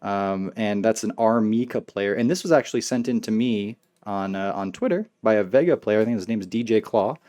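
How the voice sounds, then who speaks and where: A man's voice: lowish voice, a little fast, hardly any pauses, darkish tone. A man co-hosting a casual gaming podcast, joking and trash-talking rage quitters. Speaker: podcast co-host.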